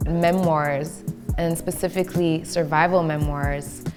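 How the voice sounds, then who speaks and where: A woman's voice: low voice, steady tone, unhurried. A woman who grew up in Belgium, a writer and translator, speaking thoughtfully in a documentary interview. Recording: clear music underneath.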